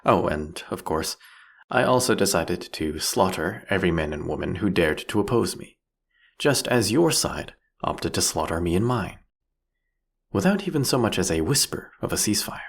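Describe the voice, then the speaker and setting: A man playing a proudly ruthless, philosophical vampire king in a fantasy audio roleplay, speaking eloquently and mockingly in a drawn-out, theatrical way. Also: sits low, lively intonation, creaky, full character voice. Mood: defiant, mocking.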